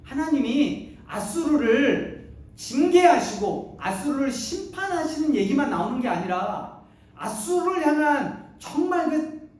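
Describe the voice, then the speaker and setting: High-voiced lively pastor preaching, asks the crowd stuff, big echoey church, a bit far from the mic. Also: male voice. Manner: animated, asks the congregation questions, acts out quotes playfully. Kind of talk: sermon. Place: church sanctuary.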